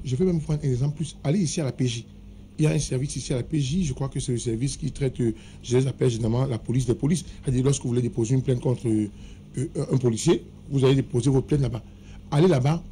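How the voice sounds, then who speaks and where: A man's voice: medium pitch, mellow, slight background noise. A man arguing his point in a heated studio debate, insisting that he be allowed to finish speaking. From Cameroon. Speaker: political debate panelist.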